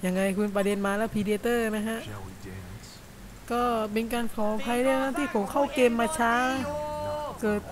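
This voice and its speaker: A man with a high voice giving excited, casual play-by-play commentary over a video game, full of exclamations. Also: moderate pace, long pauses, background noise. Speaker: gameplay commentator.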